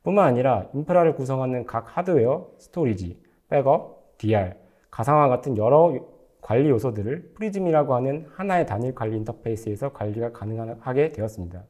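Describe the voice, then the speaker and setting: Mellow-voiced man giving a formal lecture. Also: mid-range voice, lively intonation, fairly quick. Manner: formal, explanatory. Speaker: technical lecturer, company engineer. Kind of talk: prepared webinar lecture.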